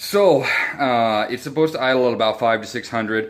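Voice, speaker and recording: A man speaks with music playing in the background. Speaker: home mechanic vlogger. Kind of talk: casual vlog talk. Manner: halting.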